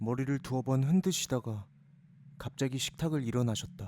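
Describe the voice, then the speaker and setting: A dark, mellow tone comes through at a fairly slow pace. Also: man. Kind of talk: horror story narration.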